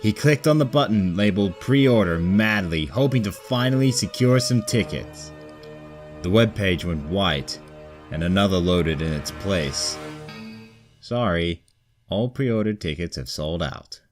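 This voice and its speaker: Deep voiced guy reading a funny story as narrator, music playing underneath. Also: expressive, a little slow. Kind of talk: scripted story narration of comedic fan fiction.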